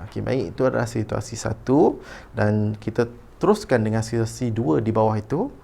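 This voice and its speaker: A man's voice: fairly low pitch, a little fast, gravelly, dark tone. A man with a Malaysian Malay accent teaching a primary school lesson, often repeating himself with "okey, baik" fillers. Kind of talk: online lesson, reading a textbook.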